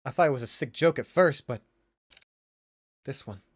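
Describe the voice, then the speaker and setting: Man putting on a high-pitched, pleading young woman. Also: moderate pace, slightly rough, dry recording, close to an everyday voice. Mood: distraught. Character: distressed, polite young woman seeking a detective's help.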